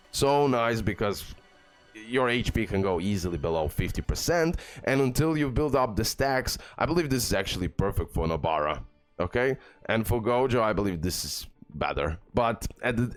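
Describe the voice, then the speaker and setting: A man giving casual game guide commentary, enthusiastic and full of fillers. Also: mid-range voice. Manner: enthusiastic, repeats "guys" and "okay", filler-heavy. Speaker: gaming YouTuber. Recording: faint background music.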